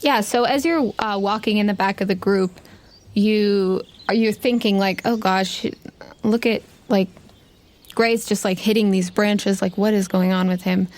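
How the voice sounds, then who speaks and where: A woman's voice: mid-range voice, steady tone, unhurried, darkish tone. A woman game master improvising narration for a tabletop roleplaying game in a casual, conversational way. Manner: casual, conversational, uses "like" often.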